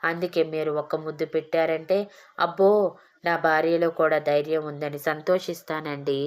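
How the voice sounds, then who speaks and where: A woman's voice: low voice, little pitch movement, normal speed, natural voice. A woman voicing a bold young husband who teases and mocks his shy wife, in a storybook reading. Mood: teasing.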